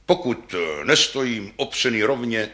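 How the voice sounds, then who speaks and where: A man voicing an old, dignified male double bass in a storybook, speaking slowly and courteously with sighs. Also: lively intonation, sharp tone. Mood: wistful. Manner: slow, sighing, courteous.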